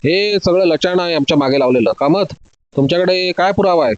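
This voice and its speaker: Flustered male suspect in an audio story, higher than the narrator's voice, as the narrator puts him on. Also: fairly quick, no echo, muffled recording, close to an everyday voice. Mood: indignant. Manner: flustered, protesting. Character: suspect man, startled then indignant.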